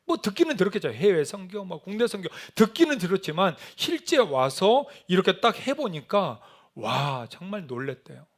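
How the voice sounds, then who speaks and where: A middle-aged male pastor preaching a sermon, telling a mission story with animated storytelling and acted-out shouted quotes. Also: high-pitched, moderate pace, few pauses.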